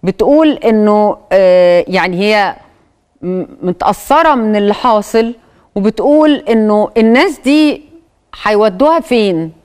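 A woman's voice: mid-range voice, expressive, normal speed, a little mellow, clear, resonant tone. A woman with an Egyptian accent hosting a TV talk show, commenting on clips with hesitant fillers. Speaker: TV host.

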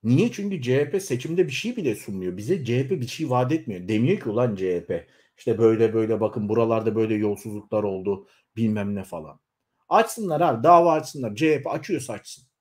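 A man in his forties delivering a heated political rant straight to his viewers, scolding and shaking with anger, his voice swinging up into shouts. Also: on the low side, expressive, fast, hardly any pauses. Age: 40s. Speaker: YouTuber. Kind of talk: angry political rant to camera.

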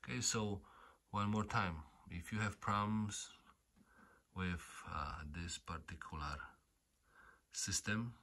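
Halting man explaining a repair. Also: fairly low pitch, bright, forceful tone. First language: not English. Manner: halting, repetitive, often saying okay. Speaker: repair tutorial host. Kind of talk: unscripted hands-on repair explanation. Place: indoors at home.

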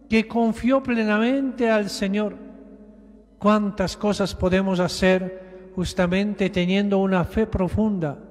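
High-voiced bishop preaching in a reverberant church. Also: male voice. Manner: slow, emphatic preaching with repetitions. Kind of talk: sermon.

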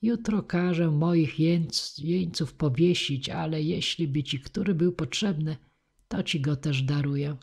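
Gruff old war chief, read by a woman, husky. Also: low voice, measured pace, a little mellow, heavily acted. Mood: grudging.

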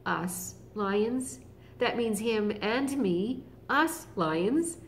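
A woman's voice: medium pitch, drawn-out words, slight background noise, pitched above the performer's own voice. Woman narrator as an eager, boastful lion, chattering happily in a storybook. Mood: proud. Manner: boastful, excited repetition.

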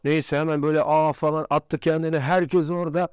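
A man's voice: a little high, level tone, a little fast, darkish tone, clean tone, no echo, studio quality. A former footballer in his forties, a man, telling stories in a casual interview and laughing often. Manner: chatty anecdotes with frequent laughs.

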